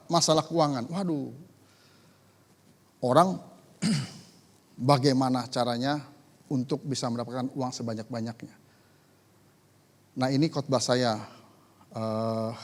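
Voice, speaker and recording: A man preaching a sermon as pastor, moving between conversational asides and emphatic declarations. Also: mid-range voice. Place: church sanctuary. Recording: church hall reverb.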